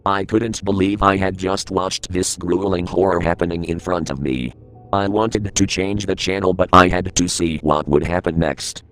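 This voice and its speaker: Deep-voiced man narrating a horror story. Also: steady tone, normal speed, a bit bright, faint music behind.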